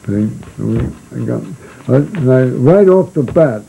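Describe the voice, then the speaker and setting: An older man recalling his seafaring days in a casual spoken memoir. He talks in a halting, rambling way, full of restarts and fillers. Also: mid-range voice, expressive, vocal fry, dark tone, slight background noise, rough recording.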